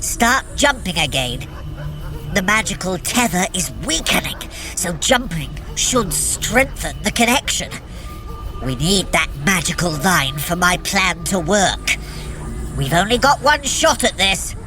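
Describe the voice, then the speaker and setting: A woman's voice: fairly low pitch, big pitch swings, a little slow, over music. A woman playing a scheming trickster god in an audio drama, grandiose and self-satisfied, talking straight to the listener. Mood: urgent.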